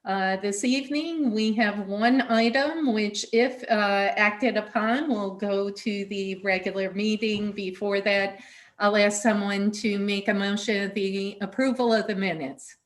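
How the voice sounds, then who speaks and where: A woman's voice: medium pitch, fairly even intonation, measured pace. A woman chairing a council meeting over a video call, friendly and informal, with fillers like uh.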